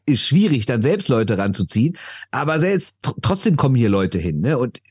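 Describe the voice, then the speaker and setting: A man's voice: mid-range voice, very animated, moderate pace, darkish tone, breathy edge, no room sound, clean studio sound. A man from Düsseldorf, arguing his point in a casual sports podcast chat and tagging his sentences with "ne?". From Düsseldorf, Germany. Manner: argumentative, keeps adding tag question "ne?".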